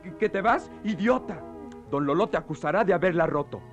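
Radio drama: anxious conniving peasant, stammering, high-pitched, music behind. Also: male voice, expressive, brisk, lo-fi sound. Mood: scheming, tense. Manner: stammering, repeating words. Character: nervous, scheming farmhand afraid of his boss. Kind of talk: theatrical radio play acting.

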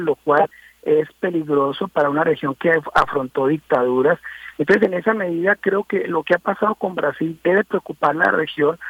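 A man analyzing politics as a radio interview guest, thinking aloud with many pauses and restarts. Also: on the high side, creaky, no echo. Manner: thoughtful, many hesitations and restarts. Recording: tinny phone line, dry.

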